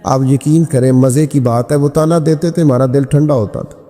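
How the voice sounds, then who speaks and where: A man's voice: mid-range voice, fairly even intonation, warm tone. A man with a Pakistani Punjabi accent preaching an impassioned, rhetorical Muslim sermon with storytelling and verse. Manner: impassioned, rhetorical, slow emphatic delivery with swelling exclamations. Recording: echoey hall reverb with music behind. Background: background music.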